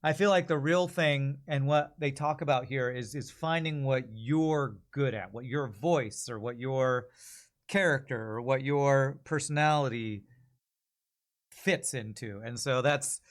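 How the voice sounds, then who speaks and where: A man chatting casually as a livestream host, rambling and thinking out loud as he goes. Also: mid-range voice, unhurried.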